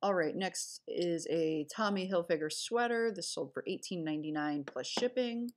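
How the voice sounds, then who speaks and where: A woman's voice: lowish voice, normal speed. A woman reseller casually recapping her recent sales over a screen recording, chatty and rambling with fillers and self-corrections. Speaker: online reseller.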